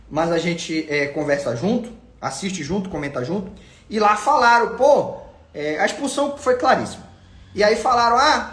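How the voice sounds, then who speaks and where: A Brazilian man with a high-pitched voice hosts a football channel, offering insistent, opinionated commentary and repeating his points for emphasis. It's a home recording made in an echoey room.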